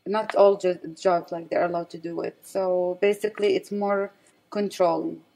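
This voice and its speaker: A woman from the West Bank, raised in Saudi Arabia, with an Arabic accent, giving personal testimony as an interview guest in halting non-native English, searching for words. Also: lowish voice, level tone, vocal fry, mellow, poor audio.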